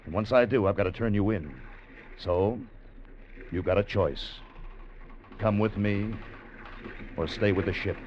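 An actor playing a calm, stern man in a 1940s radio drama, speaking in a cool, level, quietly menacing way. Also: fairly low pitch, measured pace, pauses often, natural voice. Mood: cold. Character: calm, stern man who turns in a killer. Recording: dull old radio broadcast, faint noise.

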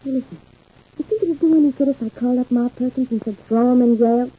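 A woman's voice: fairly high pitch, fast talker, slightly rough. An actress playing an eager, indignant small-town American woman in a 1950s radio soap, plain-spoken and pressing with questions. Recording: muffled, phone-like 1950s radio recording.

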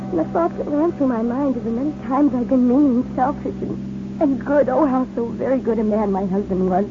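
An actress playing an anguished wife recounting an ordeal in a 1950s radio drama, emotional and halting. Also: female voice, high voice, natural voice. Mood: grieving, remorseful. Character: anguished young wife recounting her abduction. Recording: muffled old radio, music behind.

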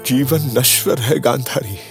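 An actor playing a gentle, reassuring king who soothes his wife, over music. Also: medium pitch, a little slow, creaky. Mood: soothing. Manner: soothing, reassuring theatrical delivery.

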